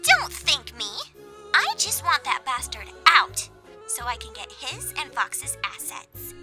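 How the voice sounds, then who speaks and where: Woman as a very high-pitched bratty crime boss. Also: wildly swooping pitch, takes it slowly, loud music behind the voice, full character voice. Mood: menacing. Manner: sassy, demanding, menacing. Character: bossy, bratty, threatening young female crime overlord. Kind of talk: comic dub voice acting.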